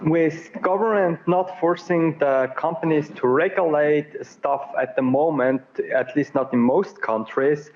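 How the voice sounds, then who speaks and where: A man's voice: fairly high pitch, dull audio. A man in a conference audience putting a question to the panel.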